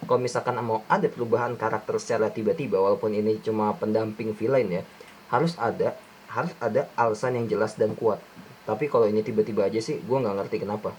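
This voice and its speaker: A man's voice: fairly low pitch, steady tone, fast, a little mellow, slight background noise, poor audio. A young man giving a casual film breakdown, rambling with many restarts and slangy fillers. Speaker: film review YouTuber.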